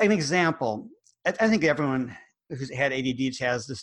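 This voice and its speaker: A man with an American accent and a fairly high pitch, a normal speaking voice with lively intonation, in a quiet background. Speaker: ADHD coach. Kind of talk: interview conversation.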